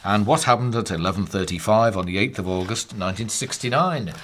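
A man's voice: lowish voice, brisk, fairly bright tone, slight background noise. A man with a Liverpool Scouse accent, co-hosting a podcast and reading out quiz questions in a casual chat. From Liverpool, England. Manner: chatty, says "aye" often. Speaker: podcast co-host.

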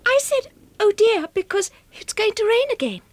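A woman's voice: extremely high pitch, very animated, normal speed. A woman playing a lonely, frightened but plucky little English girl in a 1960s radio drama, with a small childlike voice. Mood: earnest, brighter. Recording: faint hiss of old radio recording.

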